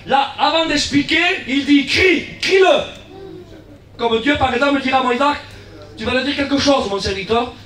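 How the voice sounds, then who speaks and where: Male pastor, very high pitch, heard from a distance in a roomy church, animated preacher. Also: brisk. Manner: acts out dialogues, shouts key lines, drops to low asides. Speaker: guest pastor. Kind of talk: lively evangelistic sermon. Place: church hall. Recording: echoey church from far off.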